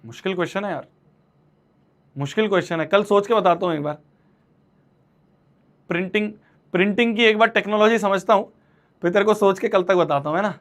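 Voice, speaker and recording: A young man teaches a maths lesson with a high voice. He talks playfully, often repeating his questions and teasing his students as he works through problems. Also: fairly quick, long pauses. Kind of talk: online class lecture.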